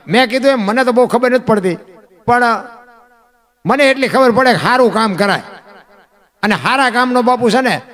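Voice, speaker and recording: A folk storyteller from Gujarat, India, tells devotional folk stories in a rhythmic style, repeating phrases for emphasis and calling his listeners bapu. His male voice sits high and sounds a bit bright.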